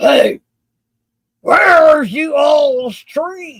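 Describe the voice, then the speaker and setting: Putting on a character voice, a man speaks at an extremely high pitch with very wide pitch swings. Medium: read story. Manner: folksy, fumbling.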